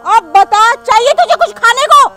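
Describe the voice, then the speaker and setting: A woman's voice: very high-pitched, animated, slow pace, a bit bright, faint music behind, heavily acted. An actress playing a harsh stepmother in a short film drama, who scolds her stepdaughter and later repents in tears. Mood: furious. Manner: harsh scolding, then tearful remorse.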